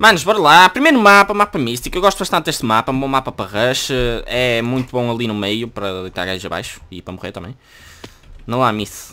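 Amid noticeable background noise, a man speaks fairly quickly at a medium pitch, with very wide pitch swings and big swings in loudness. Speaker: gaming youtuber. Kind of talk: gameplay commentary. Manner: calmer, not shouting.

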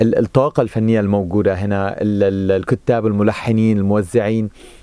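A man is speaking. The sound is dry with no echo. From Syria. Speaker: singer; interviewee. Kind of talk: interview. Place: studio. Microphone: handheld.

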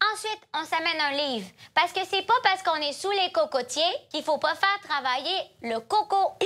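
At a moderate pace, a woman speaks with lively intonation at an extremely high pitch. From Quebec. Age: 20s. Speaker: comedian. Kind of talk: comedic sketch. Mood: playful sarcastic humour. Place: studio.

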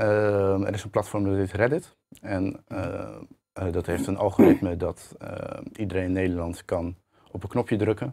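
A man speaks in a very deep, low pitch with a dark, mellow tone and ordinary pitch variation. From Netherlands, village near Alkmaar; Netherlands. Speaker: software developer and entrepreneur; interview guest. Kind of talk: interview. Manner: halting. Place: studio. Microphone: lapel.

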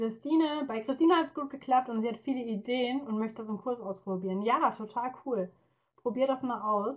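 High-pitched woman at a fairly quick pace with ordinary pitch variation, over a quiet background. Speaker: workshop presenter, media scholar; presenter. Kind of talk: online workshop tutorial. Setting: live video conference with screen sharing. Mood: friendly, encouraging. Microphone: webcam.

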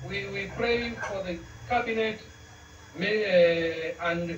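Over noticeable background noise, the speaker talks with a Kenyan accent and ordinary pitch variation. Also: man. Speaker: church minister leading prayer. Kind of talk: fervent public prayer at a swearing-in, opening with a St Francis peace prayer. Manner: solemn, earnest and pleading, with a steady, rhythmic cadence.

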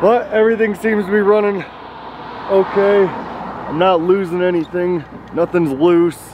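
A man with a high voice is heard amid noticeable background noise. The sound is dry, with no echo. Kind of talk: casual vlog chat. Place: open country. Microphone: phone near.

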